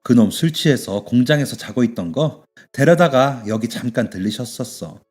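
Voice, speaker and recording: A man's voice: medium pitch, lively intonation, normal speed, darkish tone, faint music behind, natural voice. A man voicing a blunt but kind middle-aged male shop owner who talks to his young worker like a father in a radio story. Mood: gruff caring.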